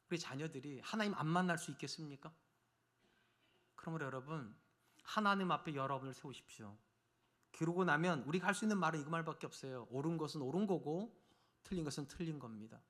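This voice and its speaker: A middle-aged man who is a senior pastor, preaching a sermon in a church. He swings between raised, urgent appeals and hushed, low asides to the congregation. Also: expressive, a little fast, pauses often. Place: church sanctuary.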